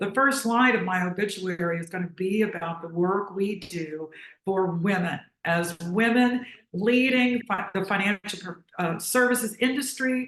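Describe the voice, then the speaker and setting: A woman in a normal speaking voice, medium in pitch, at a moderate pace with ordinary pitch variation. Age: 60s. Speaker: keynote speaker, financial business founder. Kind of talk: keynote talk.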